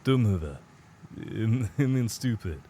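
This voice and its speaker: Protective Swedish-accented werewolf male actor, easygoing and low-pitched, audio drama with faint ambience. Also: expressive, unhurried, warm tone, slight background noise. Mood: amiable. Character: protective, good-natured Swedish alpha werewolf's mate. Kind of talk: scripted audio drama acting.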